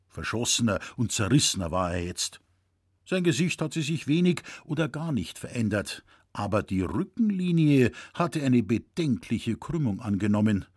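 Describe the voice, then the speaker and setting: A man reading a novel aloud as an audiobook narrator, with measured storytelling delivery. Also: mid-range voice, breathy edge, no echo, clean studio sound.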